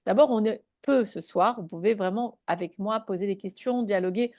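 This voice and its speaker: A woman's voice: medium pitch, moderate pace, mellow, no room sound, clean studio sound. A woman giving a live spiritual talk to a small online group, speaking conversationally and checking in with her listeners.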